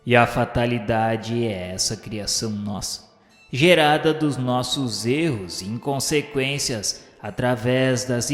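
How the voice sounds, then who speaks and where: Slow, echoing, remorseful male spirit, voiced by an actor. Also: mid-range voice, lightly acted. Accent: Brazilian. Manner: solemn, grandiloquent, slow declamation. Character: remorseful spirit of a blind nineteenth-century suicide, solemnly confessing. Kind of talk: dramatic radio novela monologue, literary narration. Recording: echoey hall reverb, music underneath.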